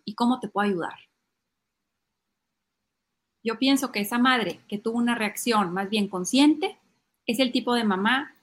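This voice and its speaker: Woman giving parenting advice. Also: on the high side. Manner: lively, acts out child and parent voices. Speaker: podcast guest speaking on parenting. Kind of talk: podcast talk with acted-out family scenes.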